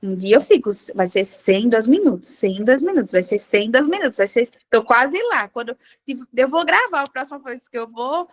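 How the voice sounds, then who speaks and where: High-voiced animated woman sharing testimony. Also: moderate pace, few pauses. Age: adult with a child. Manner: animated storyteller, acting out dialogue. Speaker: devotional group participant. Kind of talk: casual testimony in a women's devotional call.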